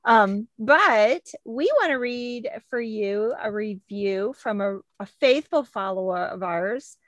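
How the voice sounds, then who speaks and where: A middle-aged woman co-hosting a podcast in a chatty, expressive way, recorded inside a closet. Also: mid-range voice, slow pace. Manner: animated, expressive. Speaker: podcast co-host. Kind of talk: casual, chatty podcast talk.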